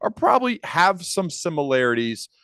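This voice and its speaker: A man's voice: on the high side, big pitch swings, moderate pace, sharp tone, no room sound, studio quality. A man hosting a podcast, asking long, curious questions in an informal conversational way. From Ohio, United States. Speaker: podcast host, interviewer. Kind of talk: conversational interviewing.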